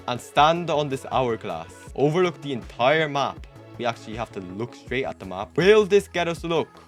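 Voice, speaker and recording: A young adult man giving casual gameplay commentary to camera as the host of a gaming video. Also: medium pitch. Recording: music behind the voice.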